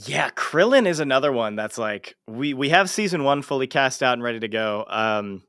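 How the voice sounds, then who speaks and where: A man's voice: mid-range voice, lively intonation, moderate pace, fairly bright tone, clean tone, dry recording, studio quality. A man hosting a casual livestream interview, talking informally and swearing freely. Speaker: show host and amateur voice actor.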